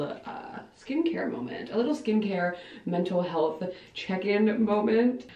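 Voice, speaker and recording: A woman's voice: deep voice, vocal fry, a little mellow. A woman in her late twenties from Ohio, talking casually to camera in a rambling, chatty vlog style, filling her sentences with "like". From Ohio, United States. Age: 20s. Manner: chatty and rambling, frequent filler "like". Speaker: vlogger. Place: small bathroom, indoors. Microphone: camera mic a few feet away. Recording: echoey bathroom, distant dull camera audio.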